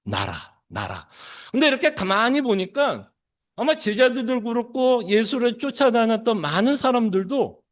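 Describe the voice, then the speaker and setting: A man's voice: very high-pitched, big pitch swings, normal speed. A male pastor preaching a sermon, putting many questions to the congregation and acting out the disciples' lines.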